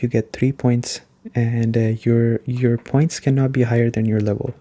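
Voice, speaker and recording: Male game reviewer, ASMR style: gentle delivery, conversational, mid-pitched and warm-toned. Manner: soft-spoken, conversational. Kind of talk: soft-spoken ASMR game review, casual chat.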